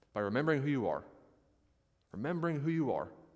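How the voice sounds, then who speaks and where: Lively intonation marks this very fast speech with an American accent and audible room echo. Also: man. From US South, South Florida. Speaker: pastor. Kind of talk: sermon. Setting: church.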